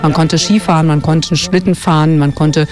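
Over background music, a low-pitched woman speaks at normal speed with fairly even intonation. She is a radio journalist and travel guide author from West Berlin, Germany, explaining fluently and thoughtfully during a radio interview outdoors on a winter forest walk.

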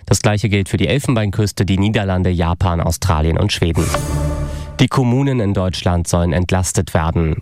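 A man reading the news on a regional radio station in a measured, even way. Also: deep voice, no room sound. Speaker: newsreader.

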